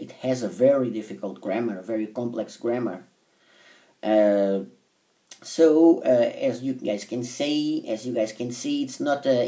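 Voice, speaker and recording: Man, mellow low voice. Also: recorded from a distance. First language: Portuguese. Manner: halting, thinks aloud with frequent pauses. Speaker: language-learning vlogger. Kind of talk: casual monologue to camera.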